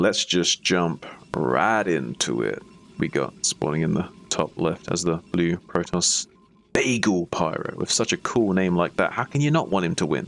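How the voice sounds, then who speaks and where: Over noticeable background noise, a man with a British accent speaks at a moderate pace in a very deep, low pitch, his intonation lively and his loudness very even. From Britain. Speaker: esports caster. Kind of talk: live commentary.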